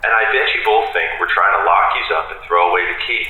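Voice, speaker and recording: An actor playing a patient, plain-spoken police detective in an audio drama, with an earnest, coaxing, colloquial manner. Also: male voice, low voice, fast, phone-quality sound, lightly acted. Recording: very echoey room.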